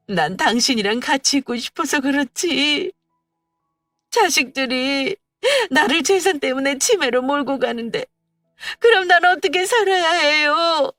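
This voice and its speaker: A woman's voice: sits high, a bit bright, no echo, pitched above the performer's own voice. A woman voicing a grieving older widow who wails and pleads to her dead husband. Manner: wailing, pleading, drawn-out cries. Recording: dry, far from mic, faint music.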